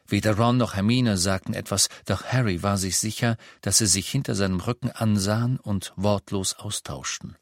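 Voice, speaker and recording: A man narrating an audiobook in an even, measured storytelling manner. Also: on the low side, no room sound, studio quality. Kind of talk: scripted narration.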